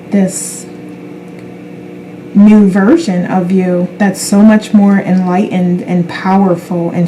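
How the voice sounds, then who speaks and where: A woman speaking as a spiritual self-help influencer, giving an unscripted card reading in a gentle, affirming way with unhurried pauses. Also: mid-range voice, a little hiss or hum, poor audio. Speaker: tarot card reader.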